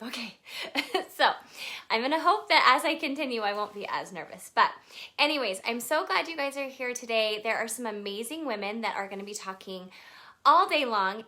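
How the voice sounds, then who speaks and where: A woman in her late thirties talks on a casual livestream, her voice bright and forward and a touch higher than most. She chats along with fillers and greets viewers by name as they join. She sounds a little nervous but keeps going. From Texas. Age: 30s. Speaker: livestream presenter. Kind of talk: casual live video chat.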